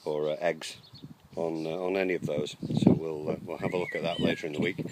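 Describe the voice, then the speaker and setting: Very deep and level, his voice is brisk as he narrates the allotment walk in a halting, um-laden way. The outdoor handheld recording is very noisy.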